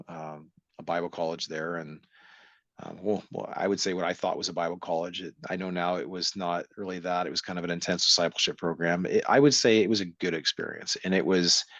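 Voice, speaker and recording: Deep-voiced man with a mixed accent. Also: fairly bright tone, no echo. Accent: mixed American, English and Irish. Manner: rambling, self-correcting, wry. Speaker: interview guest. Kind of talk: casual storytelling interview. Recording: dull dry sound.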